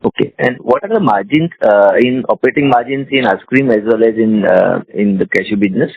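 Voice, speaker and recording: Husky male analyst on a call. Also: lowish voice, brisk, no room sound. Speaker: investor or analyst asking questions. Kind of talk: earnings call questions. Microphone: phone conference call. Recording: dull, lo-fi conference call line.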